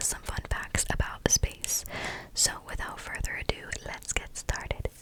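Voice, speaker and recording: Over noticeable background noise, a woman is whispering. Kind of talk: ASMR fun-facts reading, casual talk to camera. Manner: whispered.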